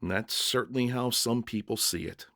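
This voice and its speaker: A man voicing a calm, gentle condemned Christian holy man in a story, speaking in a serene, measured, kindly way. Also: mid-range voice, creaky, no room sound, clean studio sound.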